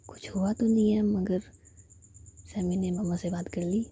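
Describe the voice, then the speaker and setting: A woman's voice: medium pitch, steady tone, moderate pace, warm tone, slightly rough. A woman whispering as a gossipy younger sister.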